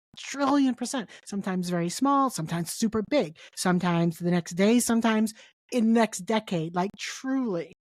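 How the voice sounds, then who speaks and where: Animated and full of lively intonation, a woman with an American accent talks at a moderate pace in a dry, close recording with no echo. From Detroit, US Midwest. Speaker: film producer. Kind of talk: interview. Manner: loud.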